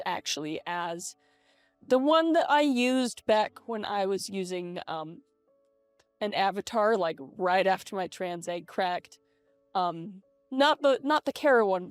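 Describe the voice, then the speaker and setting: A woman talking casually and haltingly in a personal vlog, reflecting as she goes, her voice processed by a voice changer to sound more feminine. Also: mid-range voice, no room sound. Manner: hesitant, halting, self-reflective. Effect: voice changer making the voice feminine. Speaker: vlogger. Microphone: webcam setup. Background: lo-fi video game music.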